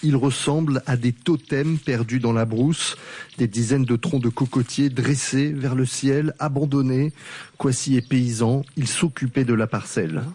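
Husky man reading a radio report. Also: medium pitch. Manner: steady, deliberate reading. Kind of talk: scripted news narration.

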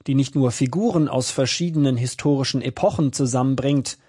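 A man's voice: mid-range voice, a little fast, darkish tone, husky. A man reading a scripted culture report for the news in a composed way. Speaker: culture correspondent.

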